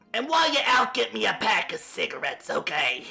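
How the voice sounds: Over faint music in the background, a man performs a put-on character voice.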